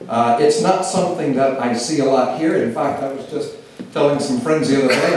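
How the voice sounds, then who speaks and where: A middle-aged man gives a steady, measured speech from a podium, often pausing on fillers. His voice carries through a very reverberant hall and sounds distant from the mic. There is a faint background hum. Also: mid-range voice. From Oklahoma, USA. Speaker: government speaker on oil and gas. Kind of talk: public speech.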